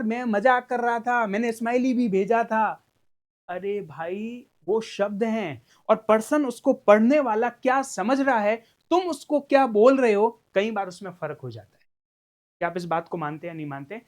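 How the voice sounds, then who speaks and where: A man giving a recorded law lecture in a conversational way, often asking his students rhetorical questions and mixing English legal terms into his talk. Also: high-pitched. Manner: mixes English legal terms into Hindi speech. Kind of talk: recorded exam-prep lecture.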